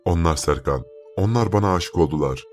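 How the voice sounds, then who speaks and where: A man's voice: low-pitched, expressive, a little fast, faint music behind. A man voicing a frail, frightened young woman possessed by jinn, speaking wearily and pleading. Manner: pleading, weary.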